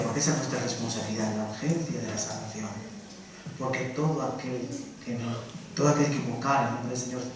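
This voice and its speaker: A man preaching a Sunday sermon in a lively way, dropping to soft asides and rising to loud calls, acting out quotes. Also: medium pitch, a little hiss or hum. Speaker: pastor. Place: church hall. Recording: echoey church room from far off.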